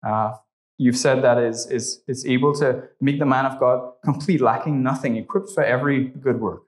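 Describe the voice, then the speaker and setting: A man's voice: mid-range voice, steady tone, normal speed. Man with a Trinidadian accent teaching. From Trinidad and Tobago. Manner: conversational, frequent "uh" and "right?" tags. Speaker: church class teacher. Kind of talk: teaching a class with a spoken prayer.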